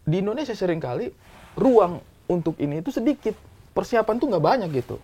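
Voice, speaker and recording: A man talking as a film director, explaining his views with examples in a casual, animated way. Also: high-pitched, fairly quick. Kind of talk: casual discussion.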